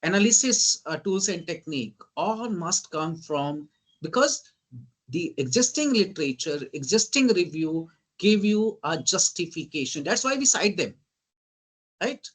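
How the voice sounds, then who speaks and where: A guest lecturer with an Indian English accent teaches online in a high, sing-song voice with a breathy edge, speaking a little slowly. He reels off terms in emphatic bursts, keeps asking "right?" and often says "ladies and gentlemen."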